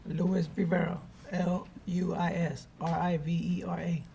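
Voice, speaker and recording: A man's voice: sits high, flat delivery, measured pace, vocal fry, dark tone. A man from Miami giving sworn testimony in a courtroom, answering tersely and deferentially. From Miami, born in Puerto Rico. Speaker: witness, convicted co-defendant. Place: courtroom witness stand. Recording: noisy courtroom microphone.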